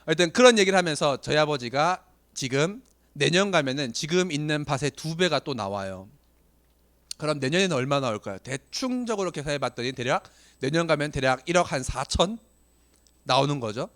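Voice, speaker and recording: A man in his late twenties or thirties, giving a motivational business talk to trainees, telling stories animatedly with self-deprecating jokes, his voice getting hoarse. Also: a little high, lively intonation, fairly quick, a bit bright. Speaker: business seminar speaker.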